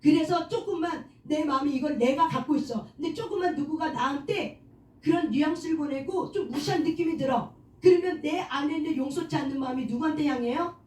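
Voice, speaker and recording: A woman leads a sermon in a high voice. She keeps asking the listeners questions and answers them herself, often calling for an amen. She sounds a little distant from the mic, in an echoey room. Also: fairly quick, mellow. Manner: asks the audience questions and answers them, calls for amens. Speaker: prayer meeting leader. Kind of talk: sermon on self-forgiveness.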